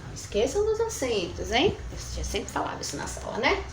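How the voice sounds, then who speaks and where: Lady teacher, slow syllable counting, bouncy singsong voice, roomy echo. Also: fairly high pitch, wildly swooping pitch. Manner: slow, drawn-out syllable counting, sweet diminutives. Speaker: primary school teacher. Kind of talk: recorded review lesson for children. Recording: echoey room, faint background noise.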